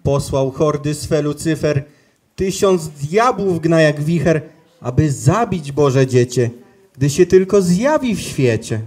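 A man's voice: a little high, expressive, slow, a little mellow, slightly rough, full character voice. An actor playing an earnest, pious male archangel in a rhyming nativity comedy. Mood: worried.

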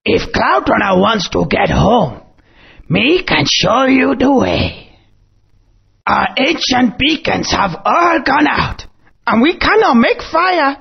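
A woman voicing a blustering, gruff tribal chief who speaks in broken sentences with a raspy, creaky voice. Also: sits high, big pitch swings, slow pace, full character voice. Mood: bargaining. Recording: muffled lo-fi game audio.

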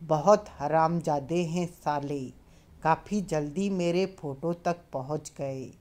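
A woman's voice: deep voice, takes it slowly, a little mellow. A woman voicing a menacing young male fugitive in a storybook reading, harsh and commanding. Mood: sneering.

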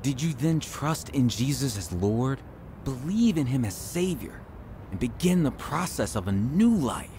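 Caring earnest christian friend, radio drama, takes his time, rumbly street noise. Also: sing-song, dark tone. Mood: earnest, consoling. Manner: earnest, measured, exhorting. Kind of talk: radio drama acting, reciting scripture.

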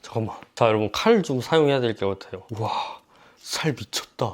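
A man's voice: medium pitch, expressive, quick pace, darkish tone. A man filming a casual fishing and cooking vlog, exclaiming often as he talks. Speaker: fishing vlogger and cook.

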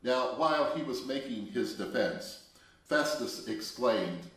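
A man, a religious brother, leading liturgical prayer and reading scripture in a measured, solemn recitation. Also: medium pitch, lively intonation, a bit bright. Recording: very echoey room, mic far off.

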